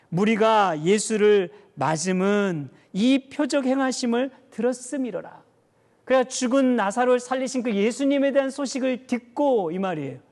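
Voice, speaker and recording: A male pastor giving an earnest sermon, slowing down to stress scripture quotes, with frequent "uh" fillers. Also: very high voice, a little mellow. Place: church sanctuary. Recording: long reverb of a church hall.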